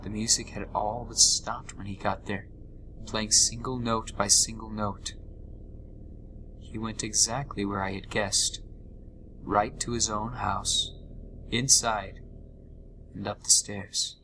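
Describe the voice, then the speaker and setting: A man playing a haunted gamer, narrating a scripted horror story with deliberate, dramatic pauses full of dread. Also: on the low side, level tone, noisy background. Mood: uneasy dread.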